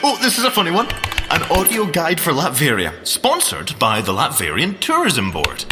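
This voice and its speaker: An actor with a Scottish accent playing an excitable, jokey young secret agent and tech geek in an audio drama. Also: male voice, fairly high pitch, normal speed, long reverb tail, music in the background. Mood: amused. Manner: playful, jokey, enthusiastic. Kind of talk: audio drama field banter.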